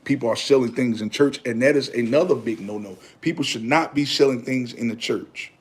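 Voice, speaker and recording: A man in his thirties hosting a casual livestream, talking faith with his viewers. He preaches in an easy, repetitive way and calls out to them as brother and y'all. His voice sits at an ordinary middle pitch. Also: a little fast, husky. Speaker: livestream host.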